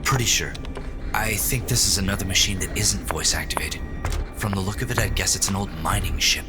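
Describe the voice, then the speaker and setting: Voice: low voice, a little fast, over loud music, natural voice. An actor playing an earnest, curious, somewhat hesitant companion in a science fiction audio drama.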